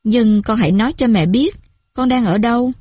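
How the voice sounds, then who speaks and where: A woman voicing a mother woken at night who speaks softly and soothingly to her daughter on the phone. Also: a little high, moderate pace, breathy edge, dry recording, clean studio sound. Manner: soft and soothing. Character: worried mother woken at night, gentle then frantic.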